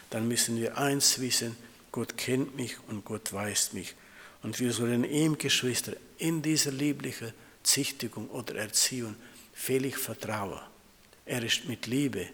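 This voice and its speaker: A man preaching a sermon in a large hall, his voice trailing off in a long reverb. He speaks at an ordinary pitch, keeps calling the congregation siblings and works through scripture verses. His phrasing is halting and non-native, with restarts. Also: a bit bright.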